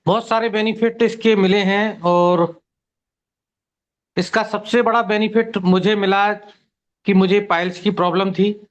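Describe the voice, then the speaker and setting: A man in his fifties with a fairly high voice tells his own story in a steady, detailed way. He speaks over a video call. The sound is muffled and thin, like online call audio. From India, near Gwalior. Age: 50s. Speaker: testimonial guest. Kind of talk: personal testimony on a video call.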